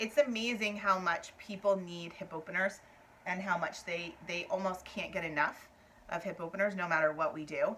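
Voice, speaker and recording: A woman speaks at a medium pitch and a moderate pace, using ordinary pitch variation. Noticeable background noise runs behind her. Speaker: yoga instructor. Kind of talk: yoga class instruction. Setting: home video recording. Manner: animated.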